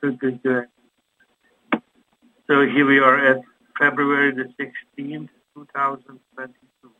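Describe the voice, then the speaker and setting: A man's voice: mid-range voice, monotone, measured pace, narrow, tinny audio, noisy background. A man hosting a call-in radio show, his voice overmodulated and distorted by a clipping mic. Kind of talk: hosting a conference call with callers.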